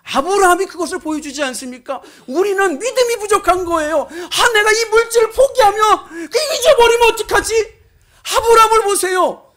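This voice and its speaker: A man's voice: very high-pitched, fairly quick, fairly bright tone. A man preaching a sermon as a pastor, exhorting emphatically and putting questions to his listeners. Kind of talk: sermon with storytelling and direct questions to congregation.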